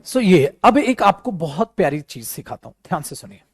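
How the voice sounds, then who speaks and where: A man's voice: on the high side, normal speed, husky, no room sound. A man teaching a live spoken English class, chatty and repetitive, calling his students "beta". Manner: addresses students as beta, repeats himself, chatty and animated.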